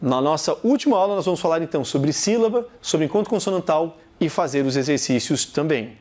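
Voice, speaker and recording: A man's voice: fairly high pitch, expressive, brisk, darkish tone. A man with a Brazilian Portuguese accent teaching a lesson, emphatic and repeating each point, acting out little example sentences. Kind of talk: classroom lesson.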